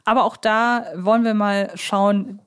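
A woman with a medium-pitched voice co-hosts a fan podcast. She talks in a conversational way, pausing to rephrase and correct herself as she thinks things through. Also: flat delivery, clean tone. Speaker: podcast host.

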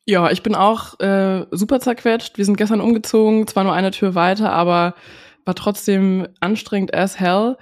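A woman's voice: medium pitch, fairly even intonation, moderate pace. A woman hosting a podcast with a stuffy, nasal voice from a cold, speaking in an upbeat, chatty way as she leads the talk. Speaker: podcast host. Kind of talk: casual podcast chat.

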